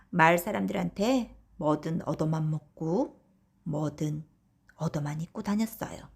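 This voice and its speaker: A woman narrating a traditional folktale as a gentle bedtime story for children. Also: lowish voice, gravelly. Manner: soft storytelling tone addressed to children. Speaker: audiobook narrator.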